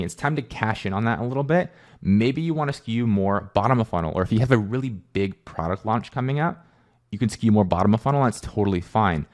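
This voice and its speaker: Male video host, low voice, informal and conversational, explaining in a casual style. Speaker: host, content agency owner.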